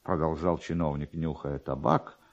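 A man's voice: extremely low pitch, steady tone, normal speed, gravelly. A man giving scripted literary narration as the narrator of a story. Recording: dull, lo-fi archive radio recording.

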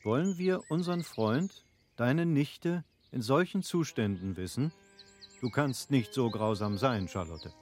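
An actor playing an eager, candid middle-aged landed husband in a literary radio drama, speaking formally and persuasively. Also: male voice, mid-range voice, expressive, unhurried, darkish tone, faint music behind, close to an everyday voice. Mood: pleading.

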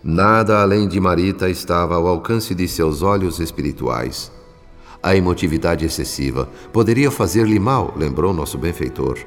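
A man's voice: low-pitched, normal speed, vocal fry. A man narrating a radio drama as a solemn, benevolent storyteller. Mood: solemn, serene. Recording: long reverb, music behind.

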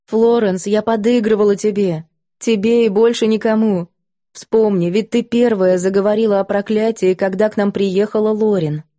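A woman's voice: mid-range voice, fairly even intonation, normal speed, mellow, pitched above the performer's own voice, lightly acted. A woman doing an indignant older sister. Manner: exasperated, emphatic.

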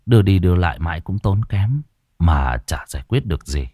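Tired grown son voice done by a man, low and quiet, dry sound. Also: animated, brisk, no room sound. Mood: weary. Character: weary adult son, worried and practical.

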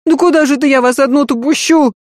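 A woman reading an audiobook voices a fussy, tearful peasant maidservant who laments in a rapid, folksy rush. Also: high voice, fairly even intonation, a little mellow, no echo, clean studio sound, voice pushed up, natural voice. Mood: wailing fuss.

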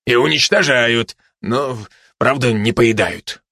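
A man voicing a calm, serious male special-forces dog who explains things patiently. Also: medium pitch, slow pace, dry recording, clean studio sound, heavily acted. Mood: matter-of-fact.

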